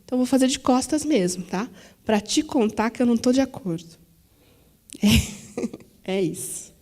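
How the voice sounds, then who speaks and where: São woman panelist, warm, mellow tone, conversational, tags questions, acts out quotes. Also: a little high, normal speed. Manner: conversational, frequent tag questions, animated quoting. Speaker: panelist at a teachers' talk. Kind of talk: public talk answering questions. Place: museum auditorium.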